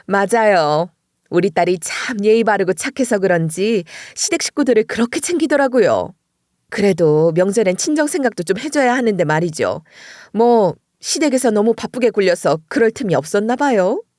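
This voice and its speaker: A woman voices a cheeky, unflappable middle-aged mother who teases with sly composure and deadpan delivery. Her mid-range voice moves at a moderate pace, sounds close to an everyday voice, and is recorded dry with studio quality.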